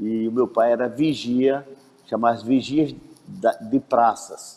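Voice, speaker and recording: In a dark, mellow tone, a man talks at a very slow pace. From Alagoas, Brazil (Maceió). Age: 60s. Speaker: football club president. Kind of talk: interview. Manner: halting.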